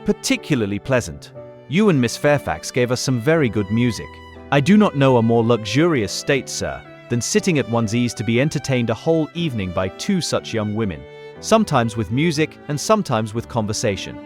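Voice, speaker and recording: An actor playing a frank, approving gentleman with a courteous, formal manner in a period audiobook. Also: mid-range voice, big pitch swings, brisk, soft background music, lightly acted. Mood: pleased, approving. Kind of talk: period novel audiobook acting.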